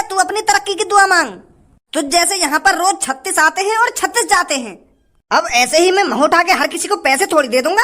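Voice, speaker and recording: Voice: extremely high pitch, sharp tone. A performer voicing a stingy, rude male shopkeeper with a Haryanvi accent, scolding and scornful. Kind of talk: comedy skit voicing.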